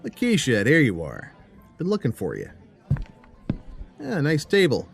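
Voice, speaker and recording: A man playing a gruff, sardonic police sergeant in an audio drama, with a dry, blunt manner. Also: medium pitch, wildly swooping pitch, a little slow, faint music behind, heavily acted. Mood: dryly sociable. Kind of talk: full-cast audio drama acting, conversational.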